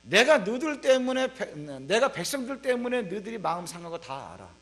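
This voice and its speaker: A patient, fatherly God speaks reassuringly to weary shepherds, as a man preaching lends him his voice. The tone is gentle but still high and animated. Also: brisk, heavily acted.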